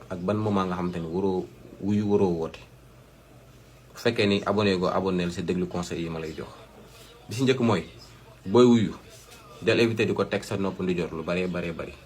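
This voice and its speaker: A Senegalese man, host of a health channel, explaining advice to viewers in an instructive way with emphatic repetition. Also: sits low. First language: Wolof.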